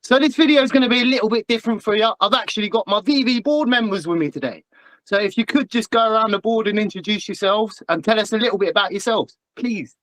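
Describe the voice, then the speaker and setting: A man with a fairly high voice hosts a casual panel chat, upbeat and a little self-conscious as he introduces his guests. The sound is dry and close, with no room echo. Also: quick pace, a bit bright. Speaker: channel host.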